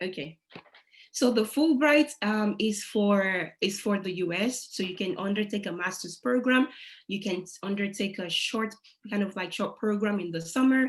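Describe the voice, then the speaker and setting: At a moderate pace, a woman speaks in a somewhat breathy voice of medium pitch with ordinary pitch variation. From Nigeria and Spain (Barcelona). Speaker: scholarship YouTuber and seminar speaker. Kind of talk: webinar presentation. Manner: animated.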